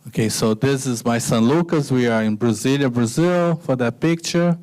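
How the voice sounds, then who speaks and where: Man giving a smooth, relaxed slide lecture. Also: mid-range voice, normal speed. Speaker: guest lecturer.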